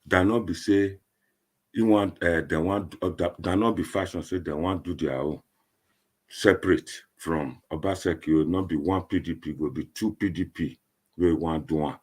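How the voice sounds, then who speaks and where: A man's voice: low-pitched, moderate pace, darkish tone, breathy edge. A man with a Nigerian accent giving informal commentary to online viewers in Nigerian Pidgin, rambling and emphatic, often repeating himself. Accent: Nigerian, speaking Nigerian Pidgin.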